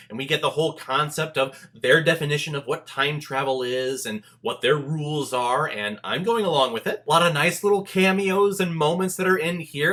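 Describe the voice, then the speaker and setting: Male reviewer, bright forceful voice, very lively intonation, emphatic, gushing, dramatic pauses, enthusiastic commentary. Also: a little high. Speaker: movie reviewer.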